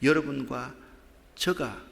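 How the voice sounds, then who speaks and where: A middle-aged man who is a pastor, giving an emphatic sermon that swings between loud stresses and near-whispers. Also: medium pitch, fairly even intonation, slow, creaky, slight background noise. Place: church sanctuary. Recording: long church reverb.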